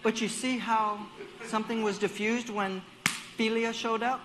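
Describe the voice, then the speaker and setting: A man's voice: high voice, steady tone, a little slow, background noise. A man preaching a sermon as a guest speaker at a church service. He talks animatedly, acts out dialogue in other voices and repeats words while he gathers his thoughts.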